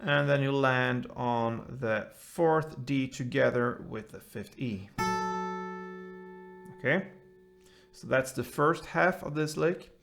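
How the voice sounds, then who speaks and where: A man with a creaky voice guides a guitar tutorial step by step. He talks slowly and informally, in short phrases with pauses, with light acoustic guitar around his words. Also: mid-range voice, a bit bright. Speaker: guitar teacher, host. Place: indoors, small room, seated with guitar. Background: acoustic guitar playing.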